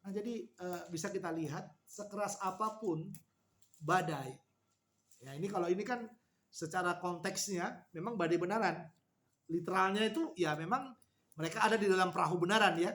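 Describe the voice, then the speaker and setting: A man preaching a sermon to a women's fellowship, explaining Bible passages and acting out quoted lines with lively repetition. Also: high voice, moderate pace. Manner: animated, repeats key phrases, acts out quoted lines.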